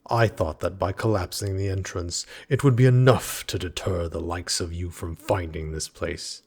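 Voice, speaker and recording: A man's voice: low voice, fairly even intonation, darkish tone. A man voicing a grim, weary earthen knight guarding a goddess, speaking formally and archaically in a dramatic audio roleplay. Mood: angry, threatening. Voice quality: gravelly, husky. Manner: archaic, formal, menacing, slow.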